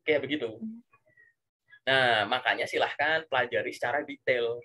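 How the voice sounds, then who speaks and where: A man giving casual career coaching, animated and full of rhetorical questions and filler tags. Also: mid-range voice, moderate pace.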